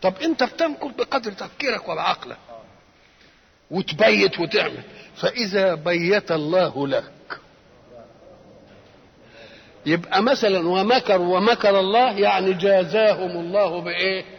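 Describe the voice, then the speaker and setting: A man's voice: high-pitched, normal speed, creaky, pauses often, long reverb tail, muffled recording. An older man with an Egyptian Arabic accent giving a Quran commentary lecture, who keeps asking rhetorical questions and answering them himself. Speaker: religious scholar.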